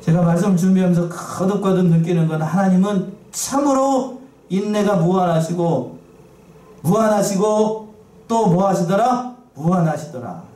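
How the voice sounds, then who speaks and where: A man's voice: high voice, unhurried, warm tone. A male pastor preaching a sermon in a church, often putting questions to the congregation and repeating key phrases. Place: church sanctuary. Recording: roomy, distant, faint noise.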